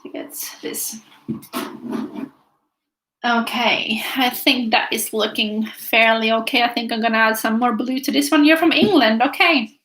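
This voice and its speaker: A woman's voice: fairly high pitch, fairly even intonation, unhurried, fairly bright tone, roomy sound, low-quality recording. A young woman from Finland with a Finnish accent, chatting casually to live viewers as she paints and reads their comments aloud. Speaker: art teacher streaming live. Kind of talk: casual chat while painting.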